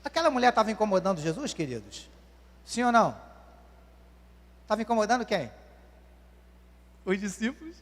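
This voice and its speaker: A man's voice: sits high, very animated, normal speed, long pauses. A man, preaching a sermon and questioning the congregation as "dear ones". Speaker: pastor. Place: church hall. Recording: long church hall reverb.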